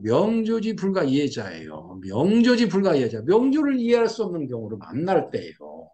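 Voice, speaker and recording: A middle-aged man giving an explanatory lecture on old texts, repeating each term and acting out reactions in lively asides. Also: fairly high pitch. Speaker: lecturer on classical fortune-telling texts. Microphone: seen on camera.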